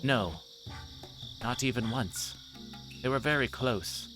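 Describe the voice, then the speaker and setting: A man's voice: mid-range voice, slow, music in the background, lightly acted. Earnest, defensive clinic doctor played by a man. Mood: subdued.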